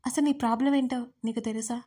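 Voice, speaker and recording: A woman voicing an angry, grieving young man in an audio story, harsh and shouting. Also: a little high, fairly even intonation, quick pace, slightly rough.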